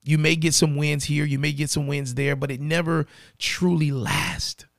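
A man with a raspy voice and a dry throat, hosting a podcast and speaking earnestly and directly to the listener. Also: fairly high pitch, fairly even intonation, normal speed, no room sound. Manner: earnest, repeats key phrases, addresses listener directly. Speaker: podcast host. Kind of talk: motivational podcast monologue.

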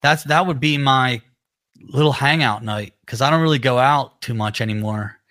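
A musician co-hosting a live stream chats casually, rambling in a laid-back way with lots of fillers. His nasal, mid-range voice is a bit bright and moves at a moderate pace.

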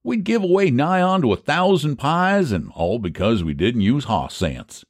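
Guy doing a folksy rural american pie man, big scheming salesman talk, pitched up and really swoopy, storybook style. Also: very animated, moderate pace, dry recording, studio quality. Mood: argumentative. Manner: folksy, emphatic, persuasive.

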